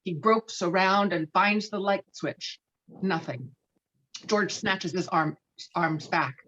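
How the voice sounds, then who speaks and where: A woman's voice: on the low side, slow, fairly bright tone, a little hiss or hum. Woman narrator, slightly dull recording. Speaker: narrator reading stage directions. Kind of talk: dramatic scripted narration.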